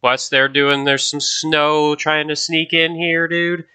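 A man's voice: on the high side, steady tone, takes it slowly, sharp tone, clean tone. A young man with a stuffy, nasal voice from a cold, chatting casually to viewers while playing a game. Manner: chatty, easily distracted, talks to viewers. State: sick, stuffy nose. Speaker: gaming video host. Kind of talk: casual gameplay commentary.

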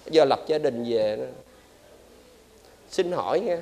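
A man, a Buddhist monk giving a lively dharma talk and quizzing his audience. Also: medium pitch, slow pace.

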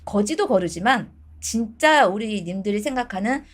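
A woman's voice: medium pitch, animated, normal speed. A woman in her thirties giving blunt dating advice to her viewers in casual talk, switching between polite and informal speech.

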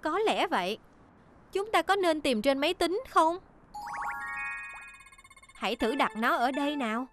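A friendly young female mechanic from a cartoon, high and very lively in intonation. Music runs behind her. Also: unhurried, pauses often. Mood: curious. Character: friendly, caring young woman garage mechanic. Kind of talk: animated children's cartoon dubbing.

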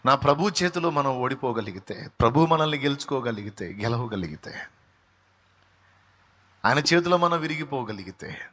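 A man preaching a sermon as a pastor, impassioned, swinging between loud exclamations and soft pleading appeals and repeating phrases for emphasis. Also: mid-range voice.

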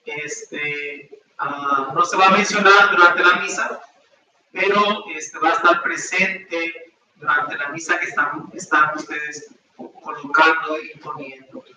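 A young male priest reads the closing prayers of mass and chats through parish notices, stopping often for fillers. His voice is very bright and a little high. It echoes heavily around a small chapel, picked up from across the room. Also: steady tone, takes it slowly, lo-fi sound. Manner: informal, many fillers between the prayers. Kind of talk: celebrating mass and giving announcements. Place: small chapel with altar, indoors. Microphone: far camera. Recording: echoey room from far off, faint noise.

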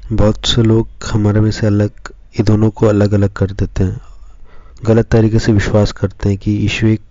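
A man reading Scripture and preaching as a pastor, slow and measured in short phrases. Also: lowish voice, completely flat delivery, warm tone, no echo, muffled recording. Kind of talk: devotional Bible reading and sermon.

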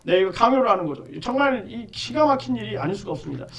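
A man's voice: high-pitched, animated, fast, a bit bright, distant mic. A man hosting his own channel, delivering an indignant monologue commentary full of repeated fillers. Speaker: online channel host.

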